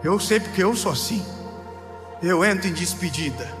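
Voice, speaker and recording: Male preacher, 30s, high voice, emphatic and playful, live hall reverb, clear music bed. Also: expressive, moderate pace. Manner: emphatic preaching, rising to near shouts, playful asides to the congregation. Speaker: pastor. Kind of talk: sermon.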